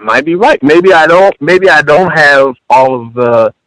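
A man's voice: a little high, a little slow, a bit bright, no room sound, rough recording. A man born in France, a guest on a call-in radio show, defending himself and restarting his words often.

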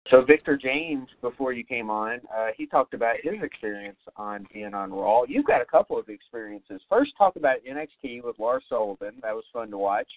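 A man hosting a podcast, asking halting questions that he often restarts. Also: mid-range voice, animated, no room sound. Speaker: podcast host. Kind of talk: interview questions. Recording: tinny phone-line audio.

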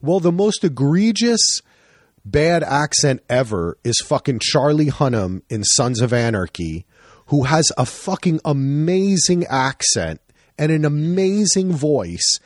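A man hosts a casual podcast, talking in a rambling, animated way and swearing freely. His pitch swings widely. The sound is dry and close. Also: measured pace, no echo. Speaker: podcast host. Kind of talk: casual chat.

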